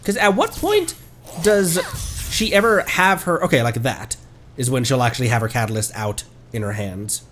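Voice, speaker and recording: A man streaming a video game playthrough, chatting casually in an animated way and swearing freely. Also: medium pitch, moderate pace, slight background noise. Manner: animated, swears, laughs readily. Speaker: streamer, vtuber. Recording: game music behind. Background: video game music.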